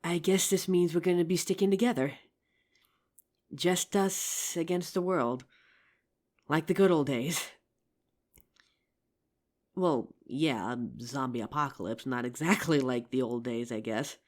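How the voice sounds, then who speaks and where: A performer playing a regretful, tender zombie apocalypse survivor in an intimate audio roleplay, speaking earnestly with hesitant pauses. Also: medium pitch, natural voice. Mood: relieved, fond. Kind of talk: ASMR audio roleplay, intimate scripted drama.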